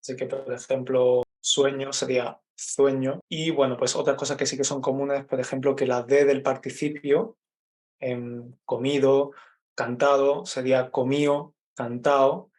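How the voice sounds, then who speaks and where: A Spanish teacher from Málaga with an Andalusian accent, explaining his dialect in an interview, measured and often checking in with "¿no?". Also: medium pitch, level tone, darkish tone. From Málaga, Spain. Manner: explanatory, measured, frequent "¿no?" tags.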